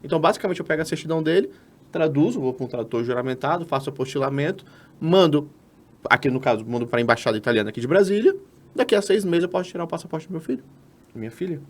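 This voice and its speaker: A man's voice: on the high side, animated, very fast. A Brazilian man with a Brazilian Portuguese accent, co-hosting a podcast and explaining a process step by step in casual, filler-heavy talk. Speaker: podcast co-host.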